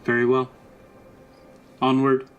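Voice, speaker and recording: A man voicing a loyal, literal-minded robot bodyguard in a tabletop roleplay, speaking in stilted, halting, formal phrases. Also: medium pitch, completely flat delivery, lo-fi sound, a little hiss or hum, close to an everyday voice. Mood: measured, stilted.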